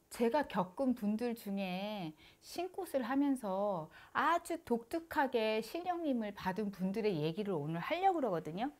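High-voiced woman shaman telling stories. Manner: lively, dramatic storytelling. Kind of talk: storytelling to camera.

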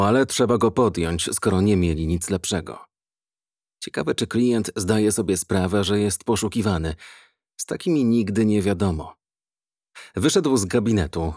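A man reading an audiobook in measured, even scripted narration. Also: fairly low pitch, dry recording, studio quality.

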